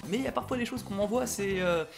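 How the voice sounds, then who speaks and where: A young man chatting casually on his vlog, reading out viewer messages and reacting with animated, sometimes loud mock outrage. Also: high-pitched, fast, vocal fry, soft background music. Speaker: YouTuber.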